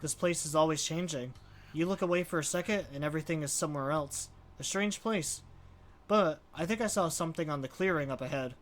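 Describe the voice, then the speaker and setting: A man's voice: a little high, brisk, natural voice. A man voicing a nameless will-o'-the-wisp spirit in a visual novel, musing in riddles. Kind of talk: reading visual novel dialogue aloud.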